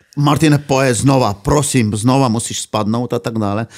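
A man with a Slovenian accent at a moderate pace, ordinary pitch variation, and a quiet background. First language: Slovenian (speaking Czech). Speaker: motorcycle traveller; podcast guest. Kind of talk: casual interview. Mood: relaxed, amused storytelling. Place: studio. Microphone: studio mic.

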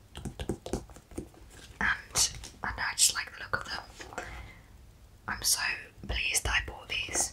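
A woman whispers at a very slow pace. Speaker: ASMR creator. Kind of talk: ASMR haul talk to camera. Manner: whispered. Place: home room.

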